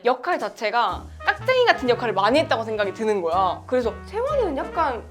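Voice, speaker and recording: A young adult woman hosting a casual talk show, playful and quick to react. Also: on the high side, wildly swooping pitch. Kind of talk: casual chat. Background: background music.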